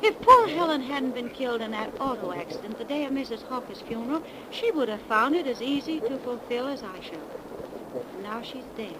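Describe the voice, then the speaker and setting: An actress playing an eager, level-headed young nurse in a 1930s radio drama, animated and proper, on a noisy old broadcast. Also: female voice, fairly high pitch, normal speed, crowd noise, lightly acted. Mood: eager, curious.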